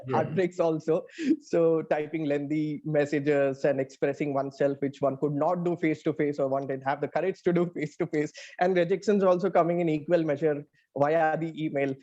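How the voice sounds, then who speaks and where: A man with an Indian accent talking reflectively in a casual interview as a writer, often pausing to search for words. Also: fairly high pitch, fairly even intonation, dark tone. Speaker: interviewed audio playwright. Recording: dull, band-limited audio.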